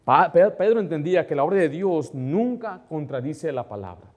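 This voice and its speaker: A male pastor preaching a conversational sermon, asking the congregation to follow along in the text and rising louder when he stresses a point. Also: on the high side, expressive, normal speed, dull audio.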